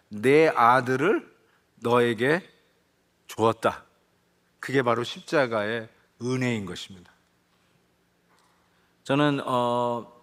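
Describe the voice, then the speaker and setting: A man's voice: mid-range voice, fairly bright tone. A male pastor preaching a sermon in a church sanctuary, in a conversational, anecdotal way with light humor.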